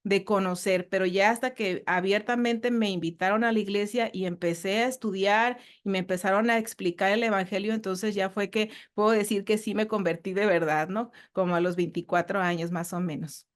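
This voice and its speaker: A woman from northern Mexico, speaking with a Mexican Spanish accent, gives an earnest personal testimony as a church guest in a casual interview, with frequent repetition and fillers. Her mid-range voice holds fairly even intonation, and she talks briskly with hardly any pauses.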